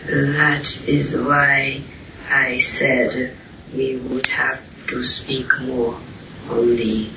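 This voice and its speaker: A man speaking as a spiritual teacher, answering questions solemnly and deliberately in halting short phrases. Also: mid-range voice, level tone, creaky. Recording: roomy, distant, muffled, hissy amateur recording.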